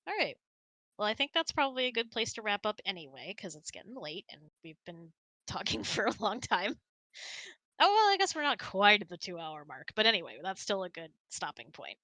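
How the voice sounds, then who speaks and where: A woman's voice: mid-range voice, sing-song, brisk, pushed and bright, dry recording. A woman host chatting casually and answering audience questions in a giggly, chatty way.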